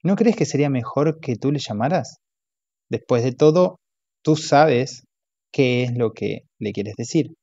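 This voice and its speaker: A man's voice: medium pitch, lively intonation, measured pace, warm tone, no echo. A man voicing a hurt, angry wife with a clipped, martyr-like manner, in a dull, dry audiobook recording. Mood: reluctant.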